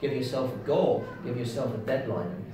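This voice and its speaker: A man's voice: medium pitch, brisk, distant mic. Dry-humored Englishman in an echoey room. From England. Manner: dry, self-deprecating humor. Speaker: co-host. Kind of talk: casual chat.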